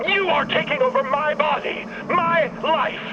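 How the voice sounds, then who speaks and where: Very high-pitched, anguished machine-bodied man. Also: measured pace, highs cut off, background noise. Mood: indignant. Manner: anguished, theatrical, formal diction. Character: bitter, wounded man trapped in an appliance body. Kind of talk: audio fiction drama acting.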